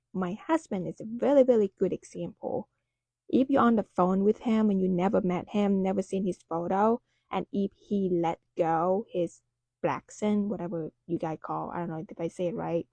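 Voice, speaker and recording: Gravelly Thai-accented woman talking casually. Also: mid-range voice, warm tone, no echo. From Thailand. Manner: talks loosely, with many "um"s and "you know"s. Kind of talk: casual talk to camera.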